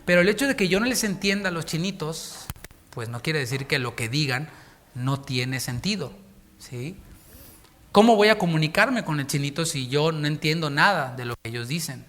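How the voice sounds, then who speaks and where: Mexican pastor, man, fairly high voice, preaches to his congregation, reads verses slowly and breaks them down with jokes. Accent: Mexican Spanish. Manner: reads scripture slowly, then explains in lively joking asides. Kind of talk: sermon. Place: church congregation.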